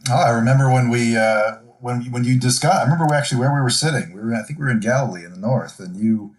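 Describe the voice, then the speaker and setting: A man guesting on a podcast over a remote call, relaxed and reminiscing, his voice distant from the microphone. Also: medium pitch, fast. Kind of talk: casual conversation.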